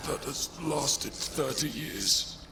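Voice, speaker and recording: An actor playing a weary, despairing old soldier in a video game, speaking in a strained, halting, solemn way over watery background noise. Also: male voice, a little high, animated. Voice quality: gravelly, strained. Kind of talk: video game cutscene acting.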